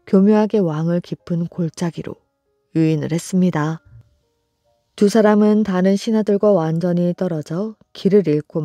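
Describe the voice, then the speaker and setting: A storyteller narrating a folktale for a bedtime audiobook, in a slow, soothing, even reading. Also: medium pitch, dry recording. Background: soft background music.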